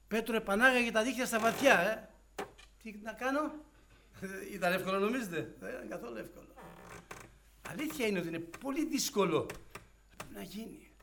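A man preaching an evangelical sermon, shifting between hushed storytelling and loud fervent exclamations and acting out dialogue. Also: high voice, a little hiss or hum. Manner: acts out dialogue in quoted voices.

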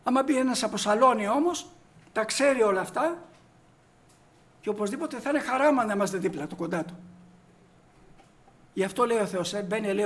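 A man preaching a sermon, telling anecdotes and acting out the dialogue, rising to emphatic peaks. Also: high-pitched. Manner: storytelling, acts out dialogue, rises to emphatic peaks.

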